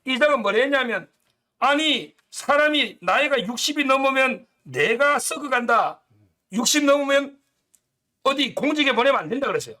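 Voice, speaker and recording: High, bright-voiced scornful man. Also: expressive, normal speed. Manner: blunt, scornful, uses coarse insults. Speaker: political commentator. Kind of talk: political talk show chat.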